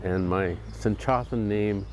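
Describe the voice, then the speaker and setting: A man speaking calmly and unhurriedly in a documentary interview, describing a garden. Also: on the low side, takes it slowly, a little hiss or hum. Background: music.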